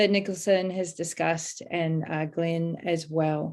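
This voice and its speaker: Against a quiet background, a woman speaks in a New Zealand accent. Her pace is fairly slow, with ordinary pitch variation. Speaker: law professor. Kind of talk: panel presentation. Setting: video call.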